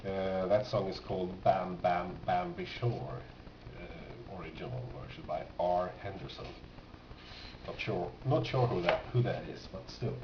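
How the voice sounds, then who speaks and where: This Swedish-accented man, a native speaker of Swedish, has a voice that sits low. He presents records he has found in a loose, casual show-and-tell, hesitating and often breaking off mid-sentence. The audio is an amateur room recording: dull, echoey and full of noise.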